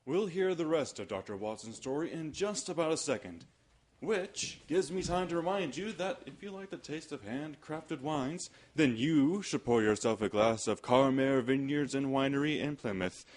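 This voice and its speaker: A man's voice: medium pitch, expressive, normal speed, darkish tone. A man announcing on a radio drama, reading a scripted sponsor message in a polished sales delivery.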